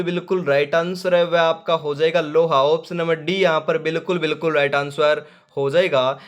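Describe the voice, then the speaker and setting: Emphatic young male exam-prep teacher. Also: high-pitched. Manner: repetitive, emphatic, addresses viewers as friends. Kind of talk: quiz-answer lesson for an exam.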